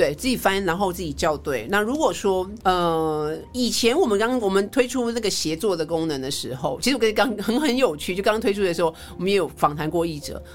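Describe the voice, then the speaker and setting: Over noticeable background noise, a woman of medium pitch talks at a fairly quick pace with lively intonation and hardly any pauses. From Taiwan. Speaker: translation software founder. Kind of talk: interview. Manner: hesitant, many fillers.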